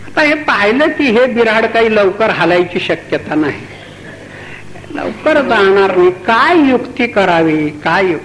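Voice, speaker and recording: A man preaching a devotional sermon, telling a story in an animated way and chanting refrains. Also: high voice, measured pace, low-quality recording. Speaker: kirtan preacher.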